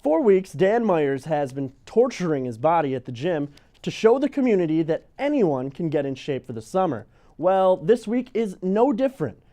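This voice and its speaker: High-pitched male local news presenter. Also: dark tone. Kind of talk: scripted news narration.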